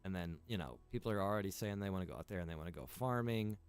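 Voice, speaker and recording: Smooth low-voiced man rambling casually. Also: animated, racing. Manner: rambling, filler-heavy, lists features one by one. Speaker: game server owner and developer. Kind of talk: casual livestream chat.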